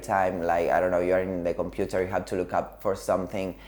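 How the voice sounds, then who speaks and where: A man with a Spanish-speaking accent, fairly low in pitch, at a fairly quick pace. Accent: Spanish-speaker's accent in English. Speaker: youtuber. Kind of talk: casual vlog talk. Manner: halting, repeating words.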